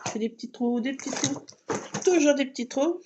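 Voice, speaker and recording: A woman's voice: high voice, a little fast, noisy background. A woman chatting casually to viewers while doing scrapbook crafts, talking to herself as she works. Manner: chatty, talks to herself while working, fillers like voilà. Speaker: scrapbooking vlogger.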